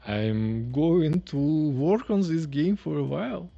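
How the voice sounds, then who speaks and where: Slow, gravelly man. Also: on the high side, mellow, dull audio, faint music behind. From Russia. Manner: thinking aloud, chatty, reading chat questions. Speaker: streamer, indie developer. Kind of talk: casual live-coding stream talk. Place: small room at home.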